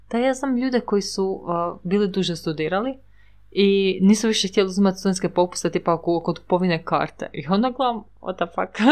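A woman's normal speaking voice at medium pitch, fairly quick, with ordinary pitch variation over a quiet background. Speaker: podcast co-host. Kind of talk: casual chat.

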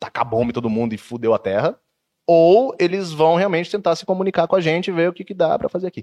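In a quiet background, a man speaks very fast. His pitch swings very widely. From interior of São Paulo state, Brazil (Votuporanga). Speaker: actor and content creator. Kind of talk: casual interview chat. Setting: studio in an office.

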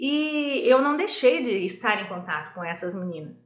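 This woman's pitch is fairly high and swings very widely. She talks at a fairly slow pace. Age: 40s. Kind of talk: testimony.

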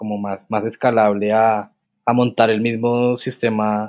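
This man speaks at a fairly slow pace. His intonation is monotone and flat. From Colombia. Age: 20s. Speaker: digital entrepreneur. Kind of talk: interview. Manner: halting, with frequent repetitions.

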